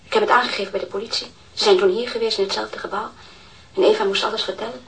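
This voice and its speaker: A woman acting a troubled mother in a crime audio drama. She sounds anxious and subdued, and she answers in halting, hesitant phrases at a middle pitch. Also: fairly even intonation, vocal fry, close to an everyday voice, low-quality recording. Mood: troubled, recalling. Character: anxious subdued mother of a missing young girl.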